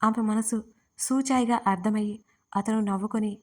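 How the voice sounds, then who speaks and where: A woman reads a romance audio story aloud, keeping her pitch flat and level. Her voice sits in the middle of a woman's range, with little rise or fall. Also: moderate pace. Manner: reads all parts herself in an even, steady voice. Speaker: writer and narrator. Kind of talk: scripted audio story narration.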